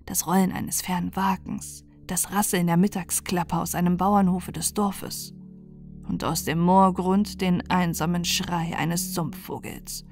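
A woman's voice: fairly low pitch, steady tone, soft background music. Soothing woman reading a bedtime tale. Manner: slow, soothing, soft at times. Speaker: storyteller.

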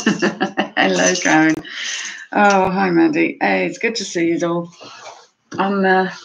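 A woman's voice: on the low side, fairly even intonation, takes it slowly, vocal fry, low-quality recording. A woman chatting casually on a live stream from home, a little out of breath and greeting viewers by name. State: slightly out of breath. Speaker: reseller vlogger. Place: home room by a window.

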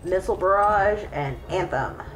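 A woman's voice: medium pitch, expressive, moderate pace, a bit bright, slight background noise, poor audio. A woman giving casual, occasionally sweary commentary as she plays a video game. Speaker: video game let's player. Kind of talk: casual gameplay commentary chat. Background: video game music.

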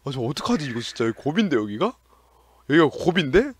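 A man giving loud, yelping gameplay commentary as a game streamer, shouting quick repeated commands and laughing often. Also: fairly high pitch, big pitch swings, breathy edge.

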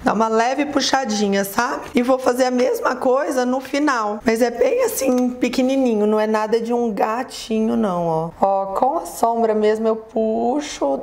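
Brazilian female makeup vlogger, casual and chatty, hoarse and reedy, a bit high, some noise behind. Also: a little mellow. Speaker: beauty vlogger. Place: small indoor room.

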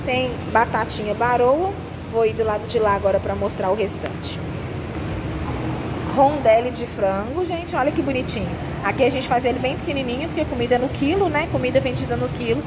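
A Brazilian woman with a fairly high voice talks viewers through a restaurant buffet. She is chatty and instructive and keeps checking in with her audience. The sound comes from a handheld phone, with restaurant ambience clearly audible behind her. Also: fairly quick, heavy background noise. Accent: Brazilian Portuguese. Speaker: restaurant owner's family and cooking channel host. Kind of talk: walkthrough vlog of a buffet. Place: indoor self-service restaurant buffet. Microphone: handheld phone while walking.

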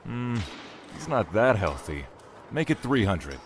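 A man's voice: fairly low pitch, big pitch swings, unhurried, slight background noise. A man voicing a businesslike merchant buying a slave at market. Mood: haggling. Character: haggling merchant nephew.

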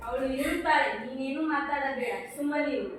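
A woman's voice: high voice, moderate pace, natural voice. A young woman, a college student, plays a poor, stern father in a stage drama, firm and scolding. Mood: grim. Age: young adult. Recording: echoey hall from far off, noisy.

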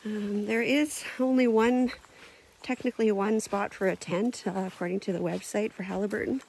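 Woman, casual vlogger, chatty outdoor walkthrough, mid pitch, faint background hiss. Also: steady tone, normal speed, vocal fry, a little mellow, low-quality recording. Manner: chatty, laughs easily, many fillers. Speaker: camping vlogger. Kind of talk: casual outdoor vlog narration. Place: outdoors at a lakeside forest campsite.

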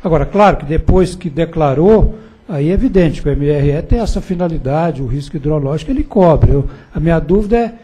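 A Brazilian man on a regulatory board speaks with a very dark, husky voice set a little high. He weighs his doubts out loud, pausing and restarting as he questions his colleagues in a public meeting. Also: expressive. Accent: Brazilian Portuguese. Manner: hesitant, thinking aloud, questioning. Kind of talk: deliberative meeting discussion.

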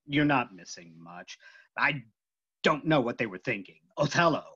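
A man playing a tormented, obsessive phantom in a staged reading, halting and dramatic, moving between hushed and loud. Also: mid-range voice, animated, slightly rough, no room sound. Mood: possessive, pleading. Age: middle-aged. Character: tormented, obsessive masked phantom, possessive male lover. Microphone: computer mic on video call. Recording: muffled video call audio.

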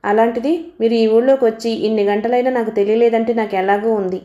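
A woman reads the part of an infatuated young student, eager and pleading, in a mellow, fairly high voice. He pours out his devotion in an audiobook-novel scene. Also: fairly even intonation, a little fast, lo-fi sound, close to an everyday voice. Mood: earnest.

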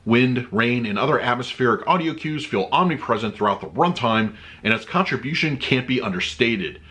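A man's voice: mid-range voice, lively intonation, moderate pace, sharp tone. A man in his thirties reviewing a movie disc at home, chatting loosely and then reading out a written review. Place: home room with shelves of discs.

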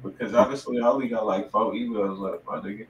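A man's voice: lowish voice, fast, highs cut off. A man co-hosting a live music review stream, talking in casual, slangy style. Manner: slangy, informal. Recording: roomy, distant mic, faint noise.

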